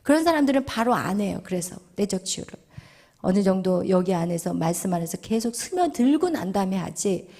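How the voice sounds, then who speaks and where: A woman pastor preaching and teaching through a vivid personal story, sometimes dropping to a hushed whisper for emphasis. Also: mid-range voice, lively intonation, brisk.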